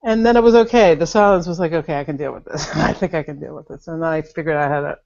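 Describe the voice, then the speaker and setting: Female student, low voice, animated and laughing, muffled video-call audio. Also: fast talker. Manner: laughs often, sighs, animated storytelling. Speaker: student at a spiritual gathering. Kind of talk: candid personal sharing. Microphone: remote video call.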